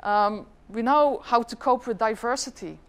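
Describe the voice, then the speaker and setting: With a clean tone and a slightly high voice at a moderate pace, a middle-aged Flemish woman heads a government department and addresses a conference chattily. Dutch is her first language, and she keeps asking the audience questions.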